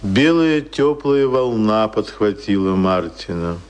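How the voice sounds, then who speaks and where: Guy narrating radio drama, low voice, really unhurried literary reading. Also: animated, smooth.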